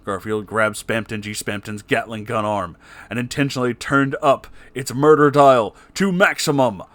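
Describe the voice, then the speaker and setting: A man's voice: mid-range voice, moderate pace, a bit bright. Theatrical man reading a comic story. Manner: theatrical, mock-serious. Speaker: story reader. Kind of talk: comedic dramatic reading of fan fiction.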